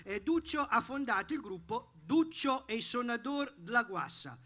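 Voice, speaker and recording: A man's voice: very high-pitched, sing-song, normal speed, pushed and bright. A man, presenting live from a festival stage. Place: outdoor festival stage at night. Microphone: microphone on a stand.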